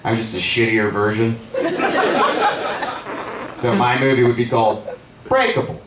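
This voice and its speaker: A man performing a stand-up comedy set on a theater stage, telling stories with animated delivery and jumping into high squeals for the people he quotes. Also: a little slow, heavy background noise. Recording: roomy, distant live theater recording with crowd laughter. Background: audience laughter.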